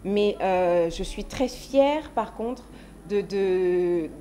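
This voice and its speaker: A woman's voice: mid-range voice, expressive, drawn-out words, dark tone, a little hiss or hum. A woman from France, a singer being interviewed on a TV talk show, talking casually with frequent restarts. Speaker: guest singer.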